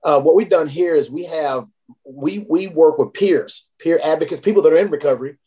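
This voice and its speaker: A man's voice: fairly high pitch, fairly quick, warm tone. A man working as a recovery advocate, speaking earnestly and encouragingly as a podcast guest. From Tennessee. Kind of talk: casual podcast conversation.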